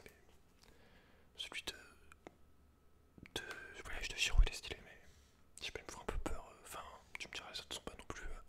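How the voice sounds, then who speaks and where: A man speaks in a breathy, unvoiced whisper, informal and close to the listener, as in an ASMR reading. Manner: informal, slangy, talks directly to one listener. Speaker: ASMR creator. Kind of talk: whispered ASMR, casual commentary and reading aloud from a book.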